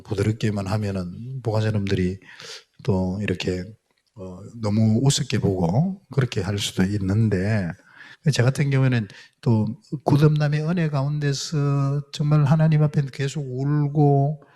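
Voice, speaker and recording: Husky-voiced man giving an emotional testimony. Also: medium pitch, lively intonation, moderate pace, mellow. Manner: emotional storytelling, acts out prayers and quotes. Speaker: missionary. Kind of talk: testimony lecture. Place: lecture hall.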